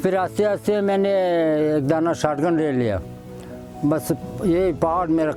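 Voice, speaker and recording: Music plays behind the speaker. He is a man with a fairly high-pitched voice. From Quetta, Pakistan. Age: 80s+. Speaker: mountaineer. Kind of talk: interview answer. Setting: outdoors.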